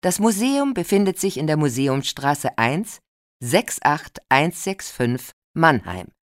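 Woman radio presenter, acted, deep register with animated intonation, informative scripted event announcement, careful diction. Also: takes it slowly, no room sound, clean studio sound, full character voice.

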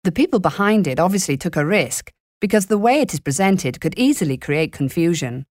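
A woman playing a thoughtful reviewer in a scripted monologue, giving her opinion in a measured way. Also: on the low side, animated, a little mellow, no echo, studio quality, close to an everyday voice. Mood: reflective. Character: thoughtful woman reviewing a documentary she watched. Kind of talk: scripted monologue for a listening exercise.

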